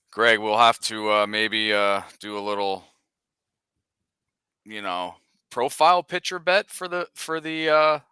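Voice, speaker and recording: A man's voice: fairly low pitch, sharp tone, smooth, no echo, studio quality. A man co-hosting a casual sports chat, joking bluntly and swearing now and then. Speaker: podcast co-host.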